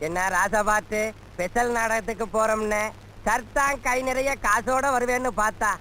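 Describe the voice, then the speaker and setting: A shrill scheming comic sidekick. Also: male voice, fairly even intonation, normal speed, bright, forceful tone, a little hiss or hum, poor audio. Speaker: comic sidekick of a stage troupe. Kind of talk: 1980s Tamil film comedy.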